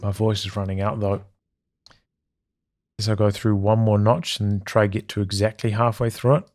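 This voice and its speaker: A man's voice: lowish voice, steady tone, moderate pace, a little mellow. A man streaming a read-aloud of a visual novel in a narrative style.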